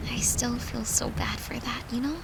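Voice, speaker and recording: A woman's voice: a little high, heavy background noise, exaggerated voice. A woman playing a tender human girlfriend, an occult summoner confiding in her demon lover in an intimate, earnest audio roleplay. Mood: remorseful, hushed. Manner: soft, earnest, confiding, with sighs and breathy laughs.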